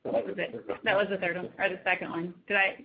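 A woman executive answering questions on an earnings call in a measured, matter-of-fact manner. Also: medium pitch, fairly even intonation, vocal fry, noisy background. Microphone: conference call. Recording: dull, lo-fi conference call line.

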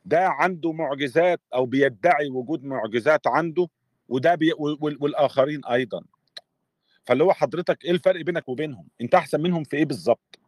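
A man's voice: on the high side, rapid-fire, no room sound, clean studio sound. An Egyptian man in an online voice-room debate, firing challenging questions at his opponent and cutting in. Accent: Egyptian Arabic. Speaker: skeptic debater.

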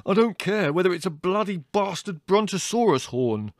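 A man's voice: high voice, expressive, normal speed, dry recording, clean studio sound, pitched above the performer's own voice. A man voicing an irate young man who snarls and swears at his family. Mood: furious.

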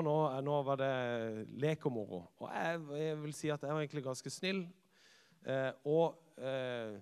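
A man, a church youth leader telling a personal story in a sermon, swinging from lively to hushed. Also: fairly high pitch, smooth. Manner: lively storyteller who acts out quotes and drops to hushed tones. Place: church hall. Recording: long reverb of a church hall.

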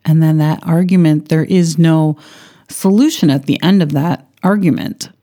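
A woman's voice: low voice, moderate pace, mellow. A woman hosting a self-help podcast, talking through ideas in a reflective coaching tone with personal stories, often restarting and repeating phrases as she thinks aloud. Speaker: podcast host.

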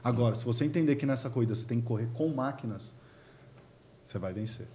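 A man's voice: mid-range voice, fast talker, slight background noise. A man, explaining marketing in casual chat and acting out little dialogues as he goes. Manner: animated storyteller acting out dialogues.

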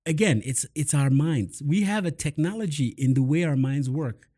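A man hosting a casual chat, explaining mindset habits in an upbeat, quick way. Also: fairly high pitch, mellow. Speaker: host and mindset coach.

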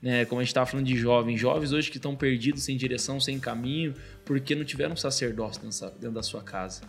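A young man with a Brazilian accent shares a personal faith story as a guest. He talks at a rapid clip in a casual way and keeps dropping "cara" into his sentences. Faint music plays softly underneath. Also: mid-range voice. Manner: fast, fills speech with "cara". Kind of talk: casual testimony.

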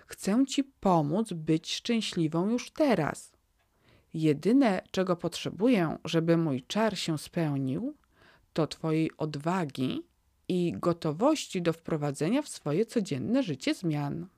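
A woman voicing a gentle, kind fairy who speaks softly and soothingly, in a spoken fairy tale. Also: fairly low pitch, lively intonation, takes it slowly, no room sound, clean studio sound, heavily acted. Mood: encouraging. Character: gentle kindly female fairy, warm and wise.

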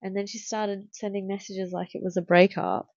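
A woman's voice: medium pitch, level tone, moderate pace, darkish tone, no echo. A young adult Australian woman co-hosting a podcast, chatting candidly and laughing easily. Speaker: podcast co-host. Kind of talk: casual chat. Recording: dry, slightly dull podcast mic.

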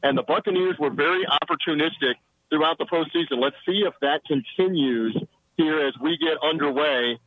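A man reporting from the sideline as a radio show guest, rattling off confident football analysis. His voice sits a little high and sounds close and dry. He is calling in from under shelter outside a stadium. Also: no room sound, narrow, tinny audio. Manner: confident, rapid-fire football breakdown. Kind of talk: radio sports analysis by phone.

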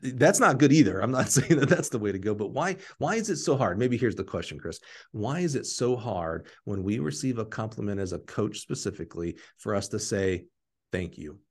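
Halting, low-voiced male podcast host. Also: animated. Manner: rambling, halting with many restarts. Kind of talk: casual interview chat.

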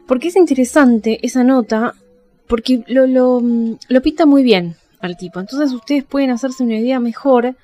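A woman's voice: mid-range voice, a little mellow. Argentine woman telling stories over music. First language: Spanish. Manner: conversational, addresses listeners with checking tags. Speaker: podcast host. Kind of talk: casual storytelling about paranormal history. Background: background music.

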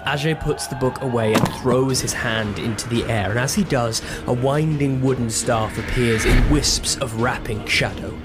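A man playing a tabletop horror game, describing his character's actions in measured, descriptive narration. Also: medium pitch, loud music behind the voice. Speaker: tabletop roleplay player.

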